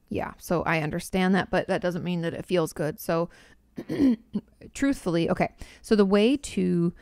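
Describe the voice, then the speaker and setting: A woman therapist hosting an advice podcast, answering listener questions in a measured, reassuring way with loose, run-on explanations. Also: lowish voice, darkish tone, no echo, clean studio sound.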